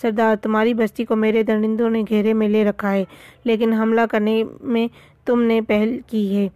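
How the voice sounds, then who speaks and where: A bold jungle hero who gives stern, decisive orders, as a woman reads him aloud. His voice is a little high and stays level. The sound is dry, with no room echo. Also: flat delivery, mellow, natural voice.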